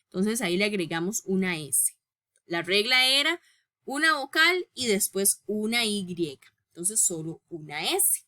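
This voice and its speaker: Woman, English teacher, unhurried, bright tone, patient step-by-step explanations. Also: medium pitch, very animated. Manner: reads English rules slowly and deliberately. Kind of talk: recorded grammar lesson.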